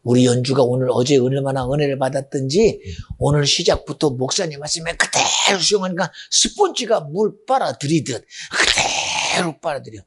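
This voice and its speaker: A man preaching a sermon as pastor, swinging between loud exclamations and hushed, almost whispered asides. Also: a little high, moderate pace, hardly any pauses, breathy edge.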